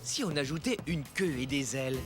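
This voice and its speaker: A man voicing a gentle, patient, encouraging young boy's father in a children's cartoon. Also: on the high side, lively intonation, moderate pace, music in the background, lightly acted. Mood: cheerful. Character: Caillou's dad, gentle patient cheerful father.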